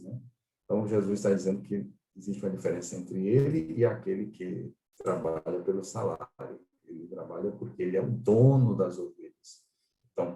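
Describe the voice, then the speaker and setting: A man's voice: on the low side, dark tone. A Brazilian man leading an online Bible study, explaining scripture in a didactic way as he reads it aloud. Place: online video-call class. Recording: roomy echo, distant microphone.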